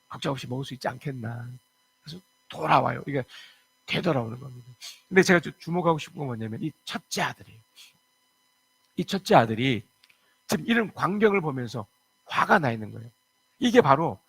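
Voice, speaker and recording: A man's voice: mid-range voice, vocal fry, fairly bright tone, breathy edge, rough recording. A man preaching a church sermon as pastor, reading scripture verses aloud and retelling a parable in earnest.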